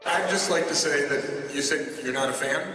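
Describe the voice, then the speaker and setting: A man's voice: fairly high pitch, moderate pace, music in the background. Wry man needling an audience member. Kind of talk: joking panel banter. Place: large convention hall. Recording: echoey hall from far off, loud noise.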